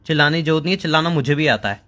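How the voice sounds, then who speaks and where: A man's voice: fairly high pitch, rapid-fire, pushed and bright. A man on a phone call with his girlfriend, defensive and exasperated, asking what went wrong. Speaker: boyfriend on a call. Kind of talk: heated phone argument.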